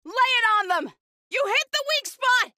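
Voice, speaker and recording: A woman's voice: very high voice, animated, moderate pace, sharp tone, no room sound, clean studio sound, full character voice. An actress playing an earnest female tribal warrior companion, delivering short, emphatic battle lines for a video game. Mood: urgent, fierce.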